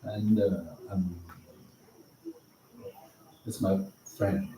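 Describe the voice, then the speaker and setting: A man from China, introducing himself as a guest in a hesitant, halting way. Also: low voice, little pitch movement. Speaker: visiting guest. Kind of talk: brief self-introduction. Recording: echoey room, far mic, faint hum.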